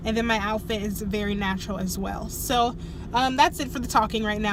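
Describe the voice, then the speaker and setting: Ordinary pitch variation amid noticeable background noise and audible room echo. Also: woman. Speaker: vlogger. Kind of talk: casual vlog chat. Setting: in a car in a parking lot. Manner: fast.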